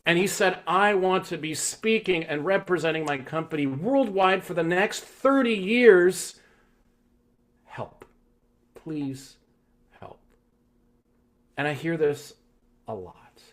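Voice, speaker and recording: Slow-paced male vocal coach. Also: high voice, lively intonation. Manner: coaching tone, frequent "right?" check-ins. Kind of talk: live online masterclass teaching.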